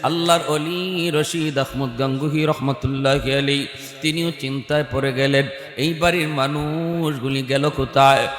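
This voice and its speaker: A male preacher, telling a story in a melodic, sing-song chant that swells high. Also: fairly even intonation, moderate pace, a bit bright. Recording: echoey hall with faint music.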